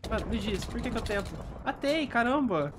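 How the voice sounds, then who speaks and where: A young man with a Brazilian Portuguese accent giving live gameplay commentary, constantly complaining in an exasperated way and now and then bursting into shouts. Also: very high-pitched, lively intonation, fairly quick, background noise. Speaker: gaming youtuber.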